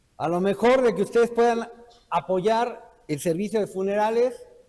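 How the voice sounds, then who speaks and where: A man's extremely high-pitched voice unfolds at a fairly slow pace. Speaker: preaching and public speaking teacher. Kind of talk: lecture.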